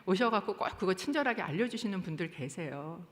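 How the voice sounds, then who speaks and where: A woman pastor with a low, brisk voice preaches a sermon in a church sanctuary. She tells stories with animation and builds to emphatic exhortation, and the long reverb of the church hall can be heard.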